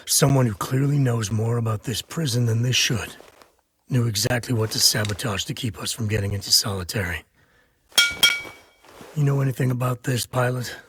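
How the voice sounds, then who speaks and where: An actor playing a cruel, sneering convict gang boss in a video game, taunting and threatening in a deliberate way. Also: male voice, medium pitch, a little hiss or hum, close to an everyday voice. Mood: sneering menace. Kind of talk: video game cutscene acting.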